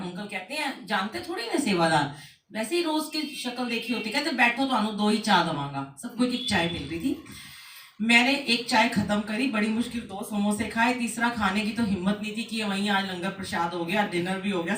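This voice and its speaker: A middle-aged woman leading a devotional satsang, telling lively anecdotes and acting out what people said. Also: medium pitch, normal speed, a little hiss or hum. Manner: lively anecdotal storytelling with acted quotes. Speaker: satsang speaker. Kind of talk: devotional storytelling talk. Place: a home satsang gathering indoors. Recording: echoey room from far off.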